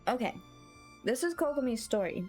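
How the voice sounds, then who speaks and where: A woman's voice: on the high side, expressive, moderate pace, a little mellow. A woman streaming a video game and chatting casually with her viewers in a playful, giggly way. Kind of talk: casual live-stream chat. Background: faint game music.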